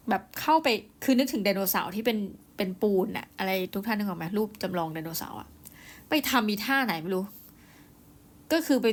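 Woman, book review host, casual chatty talk, mid-pitched voice, speaks straight to her listeners. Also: fairly bright tone. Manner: chatty, acts out quotes, addresses listeners.

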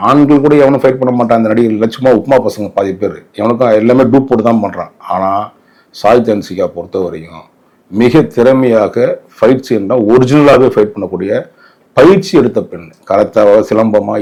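A man's voice: medium pitch, a little mellow, rough recording. A man with a Tamil Nadu accent giving opinionated interview commentary in an emphatic, indignant way, often posing rhetorical questions.

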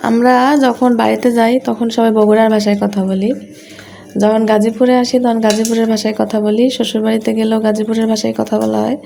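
A woman in her thirties with a Gazipur Bangla accent talks viewers through each dish in her home kitchen. Her voice sits a little high and has a gravelly, creaky edge. She keeps a chatty home-vlog tone throughout. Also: flat delivery, fast, warm tone, a little hiss or hum. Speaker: mother and home cooking vlogger. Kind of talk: casual home vlog narration.

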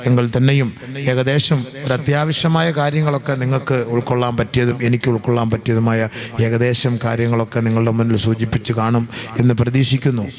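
A man preaching an Islamic sermon in to a gathering, swinging from loud, slow, chanted passages to calm, chatty asides. He questions the audience and jokes with them. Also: medium pitch.

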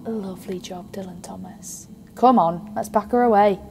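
An actress playing a playful, triumphant research scientist who likes to gloat, in an expressive audio drama. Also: female voice, mid-range voice, normal speed, vocal fry, slight background noise, close to an everyday voice.

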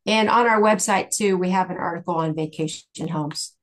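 A woman guest speaker answering questions in a measured, careful, explanatory way. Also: fairly low pitch. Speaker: guest speaker, tax exchange specialist.

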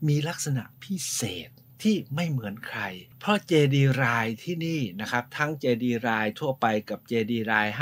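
Man leading a chatty temple tour. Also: mid-range voice. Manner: lively storyteller, polite, often adds polite particles. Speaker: host and tour guide. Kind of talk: informal guided-tour storytelling. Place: outdoors at a temple.

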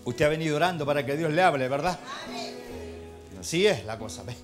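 A man's voice: fairly high pitch, animated, a little fast, music in the background. A man with a Chilean accent preaching a church sermon, folksy and chatty with the congregation, then swelling into a fervent prayer. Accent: Chilean Spanish. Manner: folksy, addresses congregation as brother. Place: church hall.

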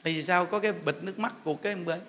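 A man's voice: high voice, rapid-fire. A man with a Southern Vietnamese accent, a Buddhist monk giving a humorous dharma talk in a chatty, joking storytelling way. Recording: echoey hall with faint noise.

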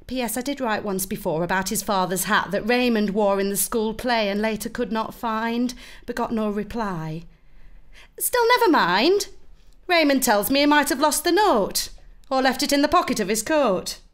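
A woman's voice: fairly high pitch, expressive, normal speed, natural voice. A British woman playing a fussy, politely aggrieved mother reading out her letter to school in a comic monologue. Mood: brightly forgiving. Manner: prim, mildly reproachful. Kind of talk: comic dramatic monologue, letter read aloud.

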